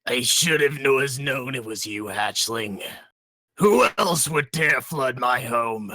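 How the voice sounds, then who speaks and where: Huge disdainful dragon, audio drama: forceful, gravelly dragon voice, unhurried menace, very dry sound. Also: male voice, expressive, dry recording, heavily acted. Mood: angry accusation. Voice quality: gravelly, booming. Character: huge ferocious old green male dragon, disdainful, menacing. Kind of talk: dramatic audio story acting.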